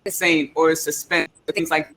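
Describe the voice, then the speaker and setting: A man speaking casually as a panelist, halting and searching for his words. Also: on the high side, little pitch movement, fairly bright tone. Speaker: panelist, playwright.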